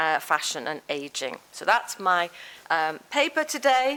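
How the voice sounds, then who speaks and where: With a Liverpool accent, a woman talks at a fairly slow pace in a bright, sharp tone. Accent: Liverpool (Scouse) English. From northern England, Liverpool. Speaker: academic author, fashion studies. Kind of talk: lecture. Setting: conference stage with audience. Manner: hesitant with fillers.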